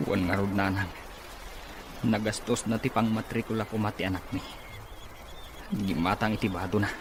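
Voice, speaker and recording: Aggrieved married son, played by a man, lowish drama voice, noisy recording. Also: fairly even intonation, normal speed, natural voice. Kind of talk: Ilocano audio drama acting.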